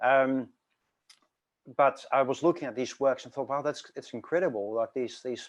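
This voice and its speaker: A man with a Dutch accent at a moderate pace and ordinary pitch variation, against a quiet background. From Netherlands. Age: 50s. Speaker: artist. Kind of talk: panel discussion. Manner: halting, many fillers and repeats.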